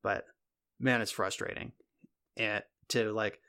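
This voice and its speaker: A man's voice: fairly low pitch, level tone, takes it slowly, bright, forceful tone. A man co-hosting a podcast, telling a rambling story in casual chat and swearing now and then, recorded on a podcast mic in a home room. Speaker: podcast co-host. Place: converted guest bedroom at home. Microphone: podcast mic in a home recording space.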